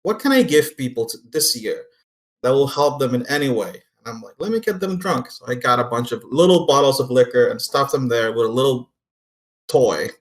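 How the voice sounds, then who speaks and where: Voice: medium pitch, lively intonation, brisk. A playful game master chatting casually, coaxing players along with hints. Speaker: game master running a puzzle. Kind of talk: casual tabletop game chat.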